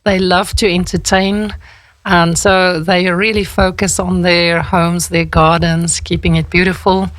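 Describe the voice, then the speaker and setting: A South African woman whose first language is Afrikaans, explaining things in a measured, conversational way as a radio interview guest. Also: on the low side, flat delivery, dry recording, poor audio.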